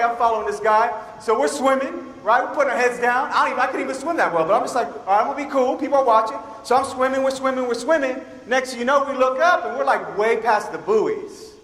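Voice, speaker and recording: A man from Guam giving a keynote talk to high school students, telling stories in an animated way and acting out the dialogue. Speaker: keynote speaker. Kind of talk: motivational storytelling talk to students. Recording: echoey hall with long reverb.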